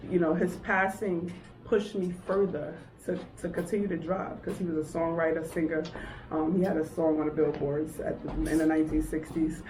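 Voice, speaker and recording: A woman's voice: lowish voice, darkish tone. A woman from New York, a guest talking casually in an interview about managing and writing for artists. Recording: echoey room, mic far off, background noise.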